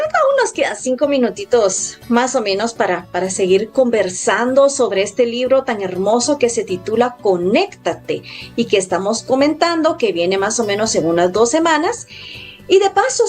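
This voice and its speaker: Woman radio host, lively and promotional, animated high voice, faint music behind. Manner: lively, promotional, addresses listeners directly. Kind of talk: radio call-in show hosting.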